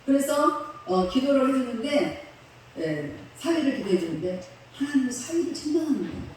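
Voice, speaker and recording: A woman's voice: sits high, big pitch swings, moderate pace, a little mellow. Lady pastor rambling thru a sermon story, far off mic, super echoey church, faint room noise. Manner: chatty, colloquial, laughs with the congregation. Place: church sanctuary.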